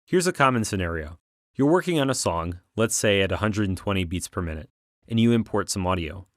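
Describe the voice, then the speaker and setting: A man narrating a software tutorial as an instructor, explaining things clearly step by step on a close voice-over mic. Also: fairly low pitch, lively intonation, fairly quick, dry recording.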